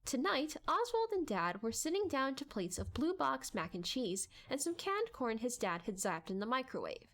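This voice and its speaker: A woman's voice: sits high, very animated, moderate pace, hardly any pauses, fairly bright tone. A woman reading scripted story narration in a dramatic audiobook style.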